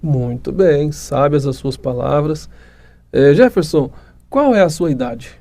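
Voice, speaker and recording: Speaking at a measured pace with lively intonation, a man with a higher, creaky yet mellow voice hosts a podcast in a Brazilian Portuguese accent from Goiás. He stays upbeat, pays compliments, poses questions and talks to listeners.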